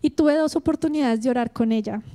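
Woman, preacher, sermon with testimony, mellow warm tone, a bit high-pitched, earnest and heartfelt. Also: fast. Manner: earnest, heartfelt, addresses the congregation directly.

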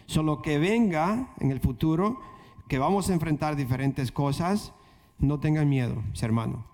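A man's voice: a little high, normal speed, a little mellow. A pastor preaching earnestly and then leading a prayer, repeating his phrases and stopping on fillers. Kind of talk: sermon and prayer. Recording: long hall reverb.

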